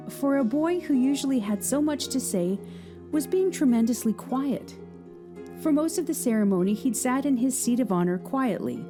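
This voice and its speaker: A woman narrating a dramatic story in a measured, scripted way. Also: mid-range voice.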